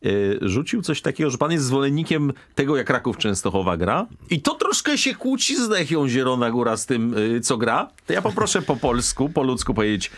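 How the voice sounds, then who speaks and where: A man hosting a radio sports interview, asking probing, challenging questions with a playful edge. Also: mid-range voice.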